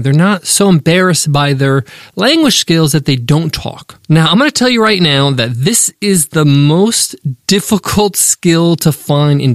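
A man hosting a business podcast, giving emphatic, animated advice and listing his points one by one. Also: fairly high pitch, no echo, clean studio sound. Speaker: podcast host.

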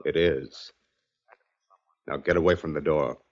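A man's voice: extremely low pitch, steady tone, a little slow. An actor playing a curt, cold gunman in an old radio drama. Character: curt menacing male gunman. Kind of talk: 1940s radio drama acting. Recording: dull lo-fi old radio, off-mic.

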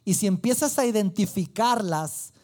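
A man's voice: sits high, normal speed, a little mellow. A man with a Mexican accent preaching a sermon, telling a personal story with emphatic repetition. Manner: emphatic, repeats words for stress.

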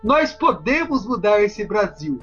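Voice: mid-range voice, very animated, measured pace, fairly bright tone. Brazilian voice for a parody stump speech, lo-fi online sound, music faintly behind. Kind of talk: mock political campaign speech.

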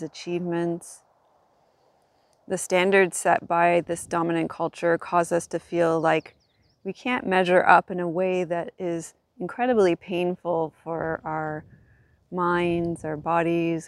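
A woman guiding a yin yoga class as the teacher, speaking gently and soothingly in measured phrases with pauses. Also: on the low side, dry recording. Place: outdoors in a regional park.

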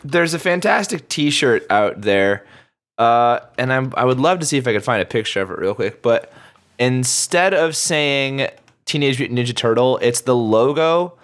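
A man in his thirties hosting a casual podcast chat, relaxed and laughing often. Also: mid-range voice, normal speed. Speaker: podcast host.

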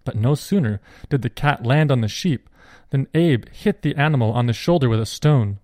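Male storyteller, mid-pitched, steady clear reading, dry close sound. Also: moderate pace, no room sound. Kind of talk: reading a Christian children's story aloud.

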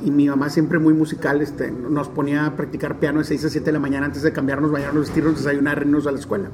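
A man in his forties from Monterrey with a northern Mexican accent, telling stories in an interview in a chatty, animated way with many fillers. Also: a little high, fast talker, background noise. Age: 40s. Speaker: stadium DJ and announcer. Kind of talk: relaxed storytelling interview.

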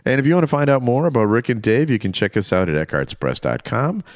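A man's voice: medium pitch, very animated, fast talker, no echo, studio quality. A man co-hosting a podcast, reading show plugs with wry, self-mocking jokes. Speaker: podcast co-host. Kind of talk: casual chat and show plugs.

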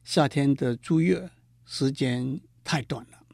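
A man giving a slow, careful lecture on poetry and reading verses aloud. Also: mid-range voice, vocal fry, a little mellow, dry recording, studio quality.

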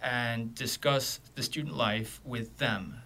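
Bright-voiced Norwegian man, playful co-host. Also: medium pitch, slow pace, a little hiss or hum. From Norway. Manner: playful, joking, stumbles over words. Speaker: podcast co-host. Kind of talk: casual podcast chat.

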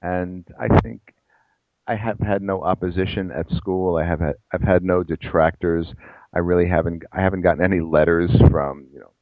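A man's voice: sits low, fairly even intonation, normal speed, a little mellow, dry recording, low-quality recording. A middle-aged man, a psychologist and professor, answering interview questions in a discursive, self-deprecating way with many restarts.

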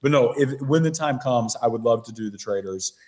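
A man talking bluntly as a podcast guest, in a mid-range voice that is neither high nor low. He is casual and animated, and he breaks into impressions of other people. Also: fairly quick, slight background noise.

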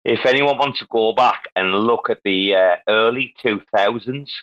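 Bright-voiced man hosting a chat, muffled. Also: fairly low pitch, moderate pace. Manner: rambling, excitable, swears casually. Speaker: host of a live audio chat room. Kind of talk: casual group chat. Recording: muffled lo-fi line.

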